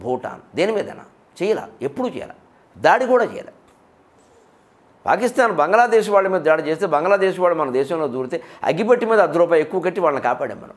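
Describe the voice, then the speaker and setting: A man lecturing on literature and culture with a fairly high voice. He drives his points home with rhetorical questions and keeps the delivery emphatic. He slips into quick mimicry of the people he criticizes. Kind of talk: public lecture on poetry and culture.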